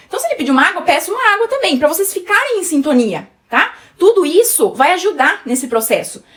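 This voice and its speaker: Female sales trainer, Brazilian Portuguese accent, high chatty voice. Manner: chatty, many fillers, addresses viewers as gente. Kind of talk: casual teaching talk.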